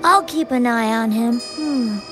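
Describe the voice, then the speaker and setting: A woman's voice: on the high side, measured pace, over music, lightly acted. A woman voicing a mysterious white cat spirit who guides the player, with a coy, secretive, teasing manner.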